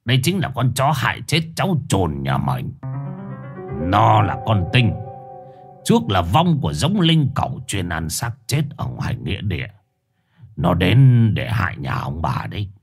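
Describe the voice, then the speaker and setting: A man's voice: low voice, big pitch swings, a little slow, vocal fry, soft background music, full character voice. A man doing a sly, stern old shaman. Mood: stern accusing. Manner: stern, lecturing, insistent. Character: sly old male shaman, smell of death.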